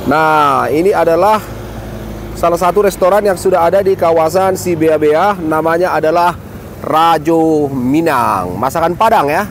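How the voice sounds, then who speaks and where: A man in his forties hosting a casual travel vlog. He speaks in a friendly, unhurried way into a phone held at arm's length outdoors, and exclaims at the views. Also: on the high side, slight background noise. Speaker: travel vlogger. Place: outdoors by a lake.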